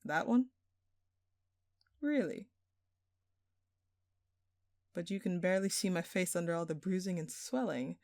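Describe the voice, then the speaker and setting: A woman's voice: fairly low pitch, lively intonation, unhurried, pauses often, darkish tone, no echo, clean studio sound. A woman playing a smug, flirtatious jewel thief who taunts a detective with teasing, sarcastic, theatrical phrasing in an audio roleplay. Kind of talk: scripted audio roleplay addressed to the listener.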